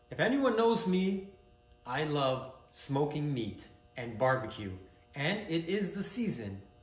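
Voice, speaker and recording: With music in the background and audible room echo, a man talks at a fairly slow pace. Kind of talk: tutorial. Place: workshop.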